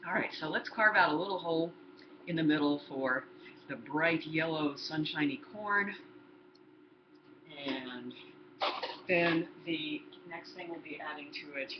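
Explaining each step to the viewer, a cooking instructor in her sixties gives a chatty demonstration in her home kitchen. She has a low, expressive voice and speaks slowly with long pauses, and the built-in laptop mic makes it sound roomy, dull, and lo-fi, with noise in the background.

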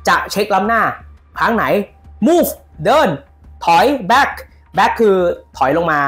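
A man talking through football news with a very lively, swooping voice that jumps up and down as he gets worked up. Soft music plays faintly underneath. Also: high voice. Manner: animated, shouts out players' calls while explaining. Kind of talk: casual football news commentary.

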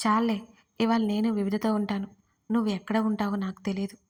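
A woman narrator doing a lively young bride who protests and jokes with her friends. The voice stays mid-pitched and fairly flat. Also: natural voice. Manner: bubbly and quick to protest.

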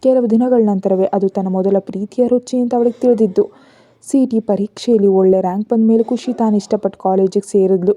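A woman reads a scripted story in a steady, gentle manner. Her voice is very dark and mellow, at a middle pitch. The recording is dry and close, with no room sound. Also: brisk, dry recording.

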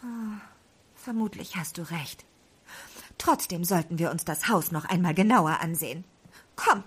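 A woman's voice: lowish voice, measured pace, a bit bright, breathy edge. A woman playing a feisty, grumpy apple-tree witch in a theatrical, indignant way for a children's audio drama. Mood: determined.

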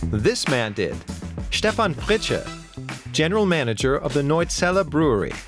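Lively male news narrator. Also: a little high, moderate pace. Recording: voice-over with faint music.

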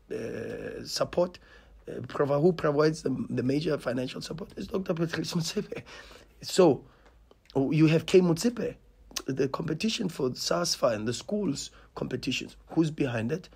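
A man's voice: fairly high pitch, a little slow, creaky, a little mellow, breathy edge. A South African man in his thirties, a football coach speaking passionately at a post-match press conference, repeating and restarting words for emphasis, at a table mic in a small press room. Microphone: table mic on stand.

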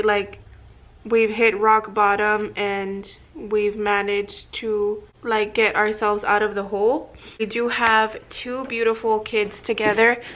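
Chatty woman in her thirties, flat-toned. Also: fairly high pitch. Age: 30s. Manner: rambling, many fillers and restarts. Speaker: vlogger and makeup artist. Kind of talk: casual chat to camera. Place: small office room indoors. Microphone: camera at desk, close framing.

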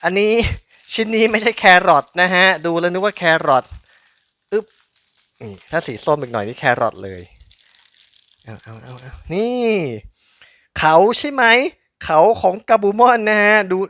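A man's voice: high voice, big pitch swings, measured pace, pauses often, a bit bright. A man giving casual, chatty unboxing commentary in an informal but polite way. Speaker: toy unboxing channel host.

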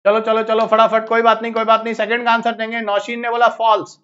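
Brisk high-voiced Indian biology teacher. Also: male voice, monotone, fairly bright tone. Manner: brisk, coaxing, repeats phrases to hurry students. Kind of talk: live online exam-prep lecture. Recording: slightly dull lo-fi audio.

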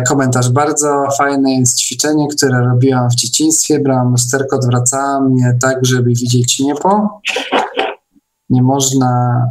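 A man hosting a casual online discussion, speaking haltingly and often repeating his words. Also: mid-range voice, darkish tone, rough recording. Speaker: online meeting host.

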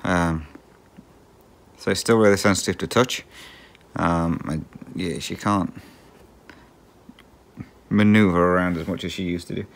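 A middle-aged Englishman whose speech carries a faint Australian twang talks in a very low voice. He rambles casually while stitching, restarting sentences, filling pauses with ums and chuckling often. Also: fairly even intonation, gravelly. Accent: English with a slight Australian twang. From England. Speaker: cross-stitch vlogger.

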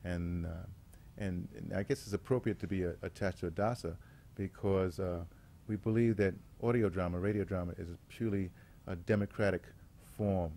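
A man giving an informal public address as a theater director, speaking haltingly with thoughtful pauses. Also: deep voice, warm tone, a little hiss or hum. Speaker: radio theater artistic director, guest facilitator.

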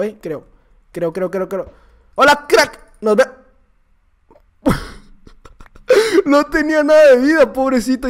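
A man with a Mexican accent giving excitable live commentary while playing a game, shouting and joking at his opponents with quick repeated exclamations. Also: high-pitched. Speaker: YouTuber playing a block-building game.

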